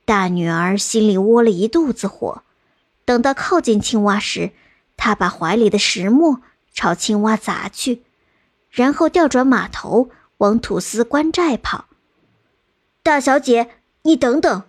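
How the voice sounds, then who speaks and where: A woman reading a folk tale aloud in a calm, measured storytelling manner. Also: mid-range voice, no echo, clean studio sound.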